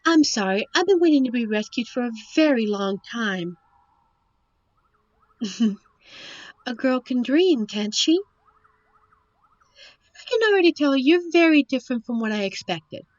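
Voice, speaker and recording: A woman playing a captive young princess in a roleplay audio drama, witty and wistful, with genteel, formal storybook phrasing and thoughtful pauses. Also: fairly high pitch, lively intonation, no echo, highs cut off. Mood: hesitant, wistful. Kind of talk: roleplay audio drama, one side of a dialogue.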